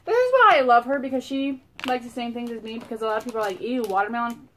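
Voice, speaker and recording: A young woman chats casually over a snack unboxing, reading product blurbs aloud and reacting with slangy enthusiasm. Her voice sits a bit high. A faint background hiss lingers in the recording. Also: sing-song, rapid-fire, a bit bright. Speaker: friend co-hosting.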